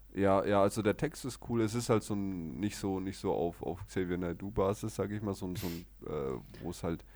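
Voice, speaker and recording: A man speaks at a moderate pace in an ordinary speaking voice, fairly low in pitch with ordinary pitch variation. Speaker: podcast co-host and amateur rapper. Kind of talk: casual chat.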